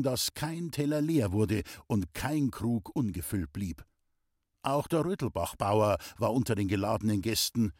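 A man narrating a novel aloud in a calm, measured storytelling manner. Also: medium pitch, breathy edge, dry recording, clean studio sound. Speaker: audiobook reader.

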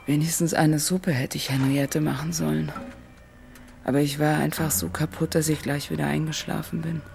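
An actress playing an exhausted woman in an inner monologue, speaking in a weary, monotone way. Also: low-pitched, moderate pace, gravelly, soft background music. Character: exhausted woman narrating her inner thoughts. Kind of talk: inner monologue in a radio drama. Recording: noisy background.

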